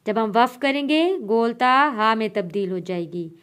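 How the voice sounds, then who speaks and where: A woman's voice: a little high, lively intonation, normal speed, smooth. A woman with an Urdu-speaking South Asian accent teaching Quran reading, spelling out letters and vowel marks one by one and then blending them, with patient explanations in between. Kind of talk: slow letter-by-letter lesson.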